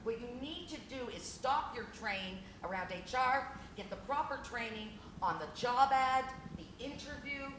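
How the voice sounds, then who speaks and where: Brisk high-voiced woman in echoey hall. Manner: fast, animated, self-deprecating. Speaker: panelist, diversity trainer. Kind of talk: conference panel talk. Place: conference hall. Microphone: handheld mic. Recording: echoey hall with background noise.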